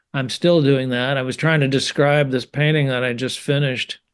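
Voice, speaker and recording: A man's voice at medium pitch. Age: 70s. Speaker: visual artist. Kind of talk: casual interview conversation. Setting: podcast interview. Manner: halting, many fillers.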